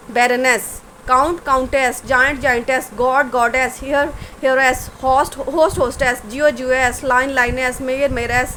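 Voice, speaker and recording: High-voiced woman teaching grammar. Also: fairly bright tone, a little hiss or hum, poor audio. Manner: explains in Hindi-Urdu, reads English rules slowly and word lists aloud. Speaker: English teacher. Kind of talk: grammar lesson.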